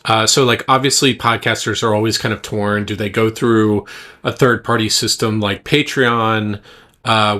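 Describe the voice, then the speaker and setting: A man's voice: lowish voice, sharp tone. A man hosting an interview, casually asking long, rambling questions. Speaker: interviewer, podcast host.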